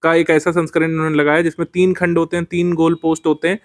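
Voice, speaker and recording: A man's voice: on the high side, level tone, quick pace, no echo, studio quality. A man teaching current affairs for a civil services exam, explaining step by step with frequent fillers.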